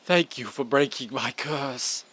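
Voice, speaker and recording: Man as a slow, solemn fairy-tale king. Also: mid-range voice, a bit bright. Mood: dazed, grateful. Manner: halting, grandiose. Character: dazed, solemn, newly uncursed lindworm king. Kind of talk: audio fairy-tale comedy drama acting.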